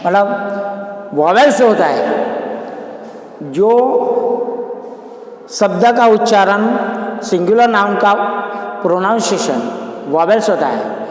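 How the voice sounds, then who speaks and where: Slow, echoey male teacher. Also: high voice, expressive. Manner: mixes English and Hindi, repeats key terms, slow deliberate explaining. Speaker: school English teacher. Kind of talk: classroom grammar lesson. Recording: very echoey room with long reverb.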